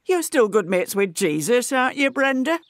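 A woman's voice: fairly high pitch, big pitch swings, normal speed, no echo. A woman voicing a sceptical, grumbling female pensioner in a comedy cartoon, dry and exasperated. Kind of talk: animated comedy character acting.

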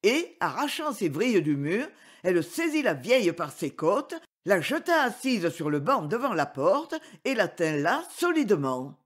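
Woman audiobook reader, gentle storybook narration, unhurried and melodic. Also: mid-range voice, sing-song, slightly rough. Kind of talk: storybook reading for children.

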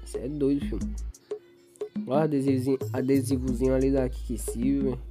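A man's voice: medium pitch, level tone, a little fast. Slangy Brazilian young man with music behind. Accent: Brazilian Portuguese. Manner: slangy, rambling, hypes up the viewers. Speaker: gaming YouTuber. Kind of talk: casual gameplay commentary. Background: game music.

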